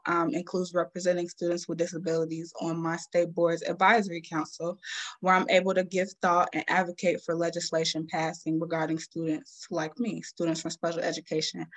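A young woman, a student advocate, giving an earnest, measured prepared talk on a video call from home, with frequent "um"s. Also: fairly low pitch. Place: home room, plain wall. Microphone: laptop webcam on a video call.

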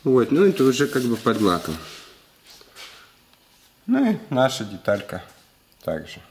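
Man, thirties, workshop tutorial host, explanatory, filler-heavy, a bit under the weather, medium pitch, faint background noise, garage workshop, handheld camera mic. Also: huge pitch swings, measured pace, a little mellow. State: slightly ill. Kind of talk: casual hands-on tutorial. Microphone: camera mic, handheld close.

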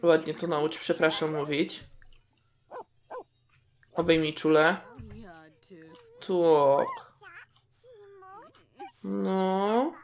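A woman's voice: low-pitched, lively intonation, drawn-out words, pauses often. A woman casually commenting on her game, chatting to her characters and reacting as she plays. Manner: chatty, talks to her game characters, squeals at cute moments. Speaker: gaming video host.

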